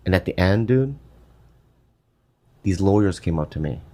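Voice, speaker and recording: A man hosting a podcast, telling a story in casual chat, animated and profane, laughing often. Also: low-pitched, normal speed.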